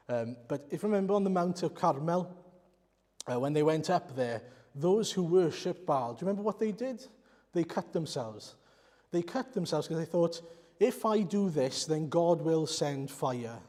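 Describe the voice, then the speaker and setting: A man's voice: fairly high pitch, expressive, normal speed, a little mellow. A man from Wales, a Welsh speaker, preaching a sermon in an earnest, explanatory way and putting rhetorical questions to the congregation. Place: church. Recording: reverberant church hall.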